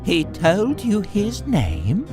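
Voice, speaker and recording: A woman's voice: mid-range voice, wildly swooping pitch, drawn-out words, exaggerated voice. A woman playing a jealous, bossy lover in a comic audio drama, with a theatrical, scolding manner. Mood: incredulous. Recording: music behind.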